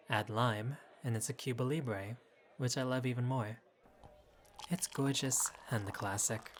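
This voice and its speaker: A man's voice: medium pitch, lightly acted. A man playing a flirty, easygoing bartender who teases and chats with a patron in an audio roleplay. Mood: teasing. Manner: playful, teasing, casual. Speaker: bartender character. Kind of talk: intimate audio roleplay, conversational acting.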